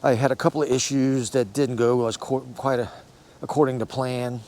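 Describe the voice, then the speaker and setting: A man's voice: mid-range voice, fairly even intonation, normal speed, darkish tone. Encouraging man in his sixties. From United States. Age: 60s. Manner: rambling, self-correcting, encouraging. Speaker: fitness channel host. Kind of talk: casual vlog talk to camera.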